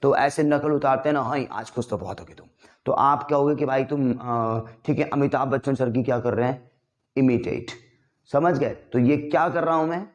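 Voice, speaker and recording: A man's voice: medium pitch, normal speed. Man teaching vocabulary. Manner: drills words, repeating and checking with "ठीक है ना?". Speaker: English teacher. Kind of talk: classroom vocabulary lesson.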